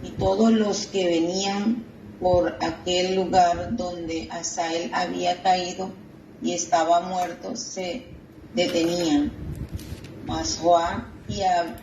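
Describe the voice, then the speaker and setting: A woman reading scripture aloud in a Bible class, haltingly, stumbling over names. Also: lowish voice, flat delivery, darkish tone, echoey room. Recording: distant, dull, noisy room.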